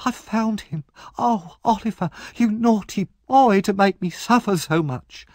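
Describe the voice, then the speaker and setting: A man's voice: sits high, unhurried, darkish tone, dry recording, clean studio sound, voice pushed up. A man voicing a theatrical young woman who wails and carries on. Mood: wailing. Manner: theatrical, wailing. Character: young woman, dramatic, wailing.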